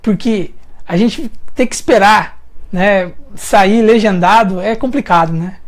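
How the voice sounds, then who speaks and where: A woman's voice: medium pitch, measured pace. A woman from Brazil with a Brazilian Portuguese accent, hosting a casual live chat, reading viewer questions and answering them while thinking aloud with frequent hesitations. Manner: addresses viewers directly, friendly and informal.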